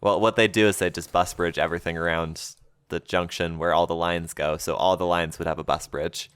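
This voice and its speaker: A man with a very deep voice banters as a podcast co-host. His voice is smooth and resonant, recorded dry and close with no room sound, and his humor is dry and deadpan. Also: fairly quick, dry recording. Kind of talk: casual chat.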